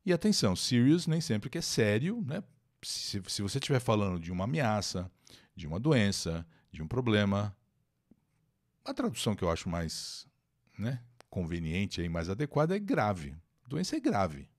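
Very animated, with a voice on the low side and a moderate pace, he streams live English lessons aimed at Brazilians. His accent is Brazilian Portuguese as he reads an article aloud, translates it, repeats words and says hello to the chat.

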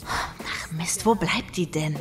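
A woman's voice: lowish voice, takes it slowly. An actress playing a teasing, easygoing young woman in an audio drama. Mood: mildly annoyed, teasing.

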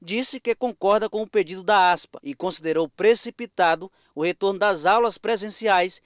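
A male reporter reads a news package in a high, crisp, smooth voice. The sound is dry and close, and his delivery is formal and even. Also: normal speed, no echo. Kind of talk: scripted news report voice-over.

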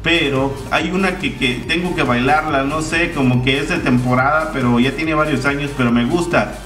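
In a room at home with a tiled floor, a Mexican-accented man in his twenties swears and slings slang while chatting to camera for YouTube. His medium-pitched, slightly bright voice goes at normal speed, with roomy echo, a distant mic and faint music in the recording.

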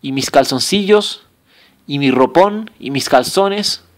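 A bewildered young man, as a male reader puts him on, voice rising high and urgent as he pleads with strangers. His exclaiming questions come quick and indignant, a storybook hero lost and protesting. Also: animated.

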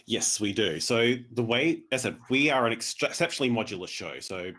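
A man's voice: mid-range voice, expressive, fairly quick, fairly bright tone. A man talking conversationally as a panel guest, explaining things in a rambling, self-correcting way over a video call. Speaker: panel guest, podcast director. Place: indoor room on a video call.

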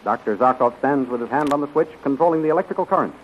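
A man's voice: medium pitch, expressive, racing, a little hiss or hum. A man narrating a 1930s radio serial as a dramatic, declamatory announcer. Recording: muffled 1930s radio recording.

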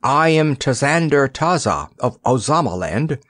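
A man's voice: on the high side, big pitch swings, measured pace, no echo, studio quality, voice pushed up, heavily acted. A man voicing a proud little boy king who speaks with haughty, gloomy dignity in a storybook reading. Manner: haughty, solemn.

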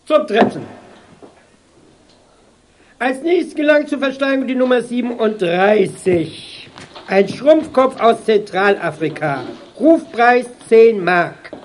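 An actress playing a formal female auctioneer in an audio drama, calling out lots and bids in a measured, drawn-out way. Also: on the high side, a little mellow, slight background noise. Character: brisk, formal female auctioneer running an estate sale.

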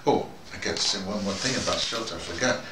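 A middle-aged North American man with a low voice hosts a personal video dispatch, talking casually to camera. He rambles haltingly, repeats words and drifts into digressions. He is recorded from a distance in an echoey room with clear background noise.

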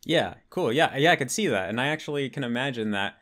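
A man's voice: mid-range voice, lively intonation, fast, a bit bright. A man in his twenties with an American accent, hosting a casual, conversational interview. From United States. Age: 20s. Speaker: interviewer, host. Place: bedroom at home.

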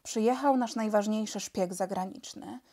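A woman's voice: medium pitch, normal speed, warm tone, natural voice. A woman reading a storybook, voicing a formal, apologetic male prime minister.

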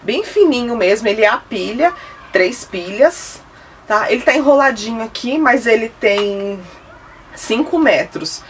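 A woman's voice: a little high, expressive, measured pace. A woman, chatting enthusiastically at home about decor items she bought, holding each one up to the camera. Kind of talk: casual product haul chat. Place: indoor room, seated at home. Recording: slightly distant mic, faint hiss.

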